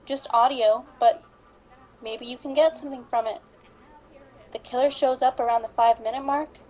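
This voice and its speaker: High-voiced, earnest woman as a grieving police officer. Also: steady tone, normal speed, darkish tone, lightly acted, low-quality recording. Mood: earnest, sorrowful. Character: apologetic police colleague mourning a fallen officer, earnest. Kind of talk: amateur radio drama acting.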